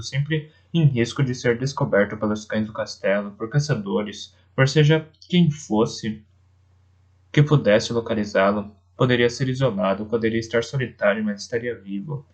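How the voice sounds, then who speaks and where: Gravelly-voiced man reading an audiobook. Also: lowish voice, moderate pace. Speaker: audiobook narrator. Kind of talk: first-person audiobook narration. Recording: dull lo-fi recording.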